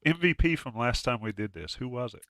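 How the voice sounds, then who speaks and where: A man's voice: mid-range voice, lively intonation, fairly quick, fairly bright tone, no room sound. Man, congested from a cold, chatty host, dry close sound. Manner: chatty, joking, restarts often. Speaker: podcast host. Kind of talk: casual sports chat.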